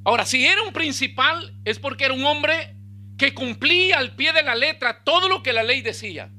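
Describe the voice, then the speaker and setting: A male pastor, preaching a sermon with bursts of emphasis and quiet low asides. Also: expressive, normal speed.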